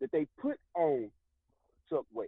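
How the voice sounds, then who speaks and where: A man speaks with a Mississippi accent, his voice pitched fairly high. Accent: US Southern (Mississippi). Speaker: community organizer. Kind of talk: radio interview. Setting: phone call.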